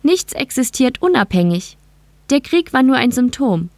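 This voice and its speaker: A woman voicing a calm, evasive female machine intelligence, speaking in a measured, explanatory way. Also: high voice, no room sound, voice pushed up. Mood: explaining.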